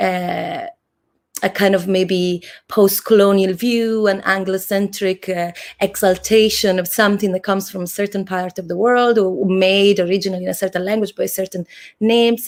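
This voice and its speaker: A woman with a non-native accent speaks at a moderate pace in a medium pitch, her intonation flat and monotone. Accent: foreign. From Italy. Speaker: theatre artist. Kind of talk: panel talk. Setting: symposium panel.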